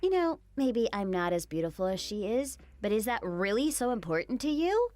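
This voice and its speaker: A woman voicing a patient, hurt young wife who pleads with her mother-in-law in an animated story. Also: medium pitch, normal speed, no echo, close to an everyday voice. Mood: pleading. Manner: earnest, pleading. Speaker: daughter-in-law.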